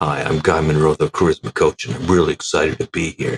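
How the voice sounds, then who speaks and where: A raspy put-on character voice from a man, very deep and low in pitch, at a very fast pace. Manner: excited, charismatic delivery.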